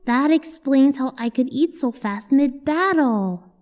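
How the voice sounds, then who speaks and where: Woman playing a high-voiced curious child, lively. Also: slow pace, soft background music. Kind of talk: fan comic dub.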